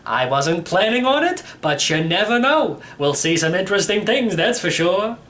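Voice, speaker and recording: Man putting on an eccentric, excitable ancient uncle. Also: sits high, normal speed, pitched above the performer's own voice. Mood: easygoing, folksy. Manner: folksy, offhand, stubbornly sure of himself. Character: eccentric 111-year-old great-uncle, breezy and cocksure. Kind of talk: children's audiobook character voice.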